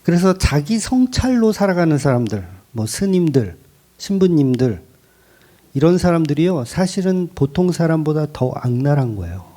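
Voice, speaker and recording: A man preaching a sermon as pastor, in an animated way with rhetorical questions and emphatic repetition. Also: a little high, normal speed. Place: church.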